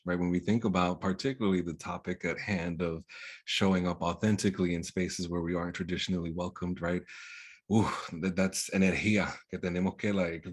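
A man from New York with a deep baritone, radio-like voice, speaking as a guest in a casual podcast interview, easygoing and reflective, now and then dropping in Spanish words. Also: slightly rough. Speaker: podcast guest, sales executive.

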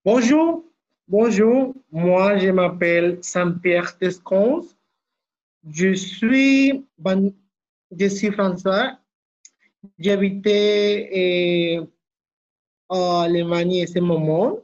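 A man speaking slowly and haltingly as a podcast guest. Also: high voice, darkish tone, lo-fi sound. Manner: slow, halting.

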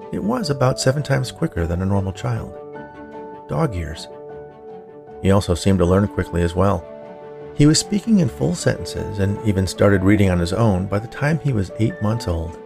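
A man's voice: fairly low pitch, big pitch swings, moderate pace, creaky, over music. A man reading a scripted short story in the manner of an audiobook narrator. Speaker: writer, narrator and producer of a fiction podcast.

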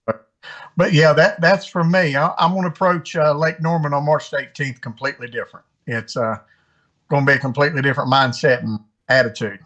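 A man's voice: fairly high pitch, steady tone, brisk, fairly bright tone, dull audio. A man from North Carolina, a guest angler giving earnest, encouraging advice in a casual interview. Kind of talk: casual interview over a call.

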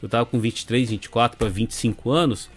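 This middle-aged Brazilian podcast guest, with a Brazilian Portuguese accent, spins a loose, relaxed tale padded with tag questions and filler words. He talks fast in a husky, mid-range voice.

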